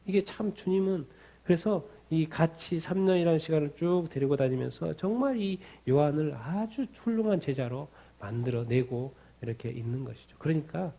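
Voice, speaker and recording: A male pastor delivering a sermon, lively and conversational, firing off rhetorical questions and acting out the disciples' anger. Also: medium pitch, gravelly, breathy edge.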